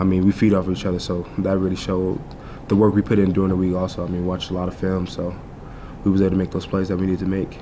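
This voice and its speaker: Over audible room echo, a man with a very deep, low pitch talks very fast in a monotone, flat intonation. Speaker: college football player. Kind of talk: press conference interview. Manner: halting.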